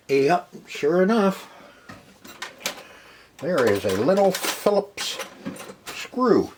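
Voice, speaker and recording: A man's voice: mid-range voice, heavy background noise. A man casually narrating a hands-on repair as he goes, muttering to himself in short, folksy remarks. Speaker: host of a retro repair video channel.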